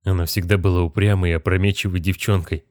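A man voicing a worn, resigned older father who speaks quietly. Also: sits low, fairly even intonation, quick pace, dry recording, clean studio sound, natural voice. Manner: quiet, subdued.

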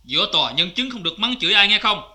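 An actor playing a stern, formal court judge questioning witnesses in a cải lương drama. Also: male voice, high-pitched, sing-song, fast, bright, forceful tone, heavily acted.

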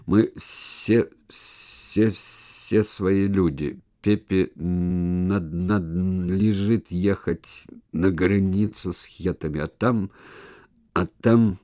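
A man's voice: sits low, dark tone. A man voicing a tall stuttering man past middle age who stumbles over his words, in an audiobook. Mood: stammering. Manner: heavy stutter, slow halting speech.

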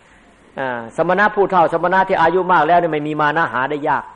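A man's voice: fairly high pitch, normal speed, fairly bright tone, dull audio. An older man giving a Buddhist dharma sermon in a conversational way, rising into emphatic bursts. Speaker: Buddhist monk teacher.

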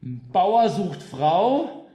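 A man's voice: high voice, very animated, very slow, warm tone. Emphatic man speaking from a live stage. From West Germany. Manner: emphatic, with sarcastic jabs and rhetorical questions. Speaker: singer-songwriter speaking between songs. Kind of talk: rousing political stage speech. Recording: roomy live room with faint music.

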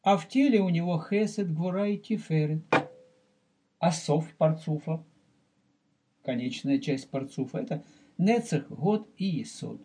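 A man teaching as a rabbi in a recorded religious lecture. He speaks deliberately, addresses the listener directly, and explains and repeats terms for emphasis. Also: fairly high pitch, animated, mellow, slight background noise.

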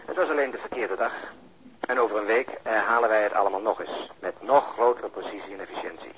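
A man's voice: on the low side, fast, natural voice. An actor playing a nervous, ironic perfectionist policeman in a radio drama, wry and at times hesitant. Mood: sardonic. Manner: wry, hesitant, theatrical emphasis. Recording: muffled radio drama recording, clear background noise.

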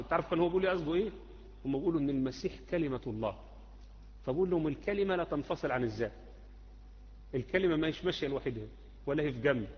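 A fast-talking Egyptian man teaches a religious lesson in a hall with a long, ringing reverb. His voice sits a little high and comes across muffled and dull. He keeps it conversational, tossing questions back to his listeners. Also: a bit bright. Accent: Egyptian Arabic. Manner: conversational, asks students rhetorical questions. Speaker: Islamic creed teacher.

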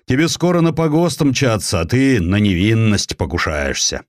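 A man's voice: fairly low pitch, very animated, moderate pace, dry recording. A male narrator puts on a big, brash Cossack free spirit from a historical audiobook. He talks in a bold, plain folksy way, with swinging intonation and a dry, close sound. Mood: scolding, booming. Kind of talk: acted dialogue in an audiobook.

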